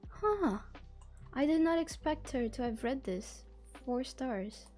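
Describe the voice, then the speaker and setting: A non-native English-speaking woman hosting a relaxed livestream. Her voice is mellow and warm, she giggles often, and she trips over longer words as she reads aloud. Soft music plays faintly behind her. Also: high voice, slow pace. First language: not English. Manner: chatty, giggly, stumbles over words while reading. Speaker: livestream host. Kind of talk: casual livestream chat, reading a book blurb aloud.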